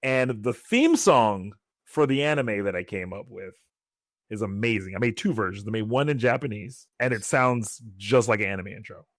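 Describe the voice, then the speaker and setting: Lively man on a dry podcast mic. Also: fairly low pitch, moderate pace, dry recording. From West Africa. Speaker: podcast co-host. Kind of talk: casual chat.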